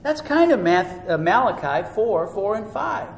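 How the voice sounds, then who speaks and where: A man preaching a sermon. He teaches earnestly, rising and slowing down for emphasis. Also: high voice, sing-song, creaky. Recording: echoey room with faint noise.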